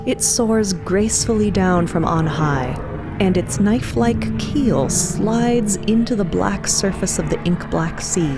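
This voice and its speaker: A woman's voice: mid-range voice, slow. A woman narrating a story podcast atmospherically, with wry, conversational asides. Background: music.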